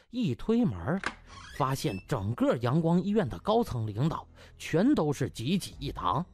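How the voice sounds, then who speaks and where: A man's voice: medium pitch, a little mellow, husky. A man narrating a comic audiobook in a colloquial, theatrical and mocking storytelling manner.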